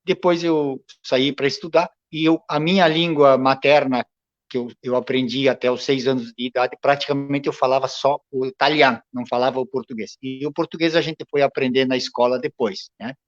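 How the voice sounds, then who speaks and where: A man's voice: medium pitch, fairly even intonation, fairly quick, lo-fi sound. A man from Brazil, a guest telling his story in a casual interview, hesitant and full of fillers. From southern Brazil. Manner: hesitant, many fillers and restarts. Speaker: guest, writer and cultural association president.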